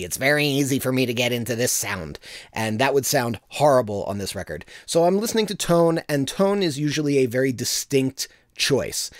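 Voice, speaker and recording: With a slightly gravelly, medium-pitched voice, a man teaches vocal production in a casual tutorial recorded on a studio microphone. There's no echo, and he explains things in a relaxed, self-deprecating way.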